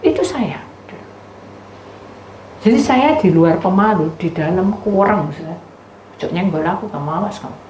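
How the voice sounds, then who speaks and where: A woman's voice: on the low side, moderate pace, pauses often, a little hiss or hum. A woman pastor with an East Javanese accent preaching a sermon, telling stories and often addressing the congregation directly. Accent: East Javanese Indonesian. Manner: animated storytelling, addresses listeners as "saudara". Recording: roomy echo with faint ambience.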